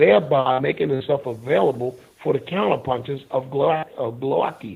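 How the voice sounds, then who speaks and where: A man uses a normal speaking voice, talking at a medium pitch and moderate pace with ordinary pitch variation. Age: 60s. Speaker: boxing trainer. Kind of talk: casual chat.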